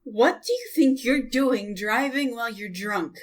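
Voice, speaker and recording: A somewhat high female voice in an audio drama, acted by a woman. The character is a young woman who is bossy and exasperated, with a scolding, sarcastic way of talking. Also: expressive, unhurried.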